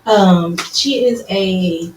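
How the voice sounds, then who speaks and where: A playful woman co-hosts a casual podcast, teasing the audience as she reads out shout-outs at a mid pitch. Her voice sits back from the mic in a roomy, echoey space with a light hiss. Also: extremely slow. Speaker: co-host. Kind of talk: casual chat. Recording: echoey room, distant mic, faint noise.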